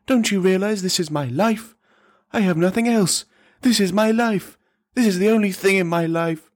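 Man playing a high-pitched, pompous stern priest. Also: husky. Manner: emphatic, repetitive, haughty refusals.

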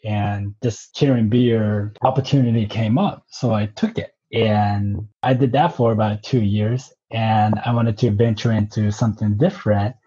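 A man in his thirties, born in Japan and raised in southern California, relaxed and casual as an interview guest, often pausing with "uh". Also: lowish voice, slightly rough, muffled recording. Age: 30s. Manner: relaxed, pauses with uh, tempo speeds and slows. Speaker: guest, brewery representative.

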